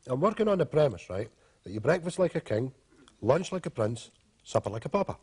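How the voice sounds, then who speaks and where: A man in a comedy sketch, talking in a deadpan, matter-of-fact way. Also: mid-range voice, fairly quick, breathy edge.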